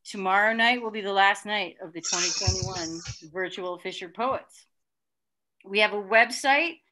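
A woman's voice: mid-range voice, bright, forceful tone. A middle-aged woman hosting a virtual reading over a video call from home, chatty and enthusiastic. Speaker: event MC. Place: room at home. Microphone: video call webcam.

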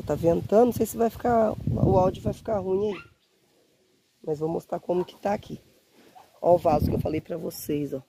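A gardening vlogger in her forties, her lowish voice a bit hoarse from a cold, chats warmly to her phone camera in a windy garden. She's chatty and keeps saying "gente" and using diminutives. The phone is held at arm's length, and faint wind noise comes through outdoors.

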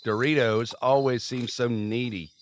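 A man playing a gruff, stubborn, wounded man in a naturalistic audio drama, grumbling and curt. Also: mid-range voice, steady tone, unhurried, slight background noise, close to an everyday voice. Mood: dry, easygoing.

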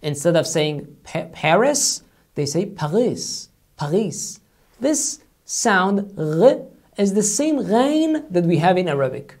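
A man teaching a recorded online language lesson, patient and explanatory, who slowly repeats each sound several times to demonstrate it. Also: high-pitched, big pitch swings.

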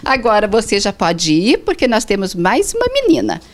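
Woman, show host, mid-pitched voice, cheerful, sweet coaxing tone, indoors. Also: huge pitch swings, normal speed. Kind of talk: hosting a children's fashion show. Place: indoor atelier.

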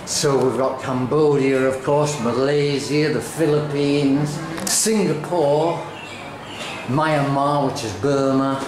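A man making a casual vlog as he walks through a school, talking slowly with many pauses and uhs. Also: mid-range voice, roomy sound, background noise. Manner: slow, chatty, says uh often. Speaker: vlogger filming a school visit. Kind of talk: casual walking commentary.

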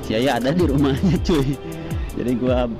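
A young man rambles on as he rides his motorbike through the open air. His voice sits at an ordinary middle pitch and he chats in a loose, easygoing way. Music plays clearly in the background behind him. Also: moderate pace. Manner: chatty, rambling, peppers lines with slang tags. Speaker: motovlogger. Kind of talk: casual slangy chat while riding. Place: outdoors on a moving motorbike.

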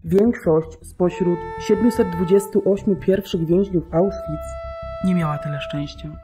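A woman with a fairly low voice narrates a documentary radio drama. Her delivery is scripted, solemn and measured, with each word carefully articulated. Music plays clearly behind her.

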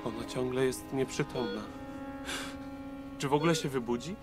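An actor playing an earnest, anxious musician and archivist in a futuristic radio drama. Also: male voice, medium pitch, moderate pace, over music, natural voice. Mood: anguished. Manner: earnest, troubled, searching.

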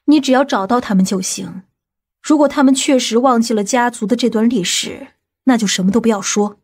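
A woman playing a stern, authoritative aunt in an audiobook, speaking in a firm, measured, commanding manner. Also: a little high, a little mellow, husky. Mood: stern, insistent. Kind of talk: audiobook character acting.

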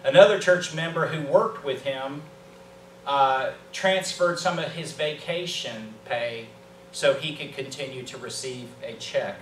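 A man in his fifties with an American accent preaches a sermon earnestly, with emphatic pauses and repetition. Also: mid-range voice, fairly bright tone. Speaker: pastor. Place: small church sanctuary, indoors. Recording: roomy, distant mic with background hum.

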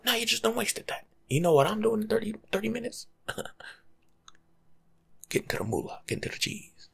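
A young American man giving casual, slangy life-coach advice in an ASMR monologue, breathy and often dropping to a whisper. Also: sits high, animated, fairly quick. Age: young adult. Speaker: ASMR video creator. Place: small room at home, indoors.

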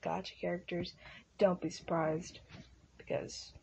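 A woman's voice: fairly low pitch, little pitch movement, a little slow, gravelly, noisy background. A woman video creator talking casually to her viewers, offhand and self-deprecating.

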